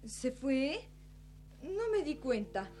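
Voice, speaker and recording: Hesitant, soft-spoken young woman played by an actress. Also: sits high, big pitch swings, takes it slowly, heavily acted. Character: Dulce, tired dreamy young woman.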